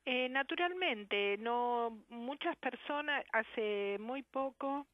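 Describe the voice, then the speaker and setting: A woman with an Argentine Spanish accent, a sign language interpreter answering a radio interview in a measured, reflective way over the phone. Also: fairly high pitch, animated, no room sound. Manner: measured, reflective, careful diction. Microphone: telephone. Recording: muffled phone line.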